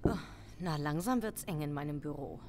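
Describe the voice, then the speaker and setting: An actress playing a composed police major in a crime radio drama, formal and commanding in manner. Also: female voice, low voice, lively intonation, moderate pace, heavy background noise. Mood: decisive.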